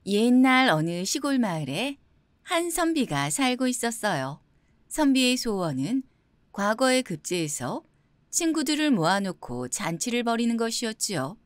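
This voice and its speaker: Woman reading children's folk tales, expressive and animated, fairly high voice. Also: normal speed, no echo. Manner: lively, expressive storytelling. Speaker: audiobook narrator. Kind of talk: storybook narration for children.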